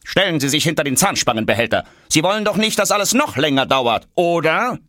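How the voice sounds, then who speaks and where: A man voicing a stiff black leather briefcase who barks orders at a queue in a gruff, unfriendly way. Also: fairly high pitch, big pitch swings, brisk, a bit bright, no echo, studio quality, pitched above the performer's own voice. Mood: curt. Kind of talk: audiobook character voice.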